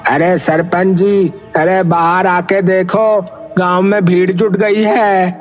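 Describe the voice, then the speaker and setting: Man acting an alarmed villager, drawn-out calls. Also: high voice, little pitch movement, soft background music. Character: alarmed, excited villager calling the headman.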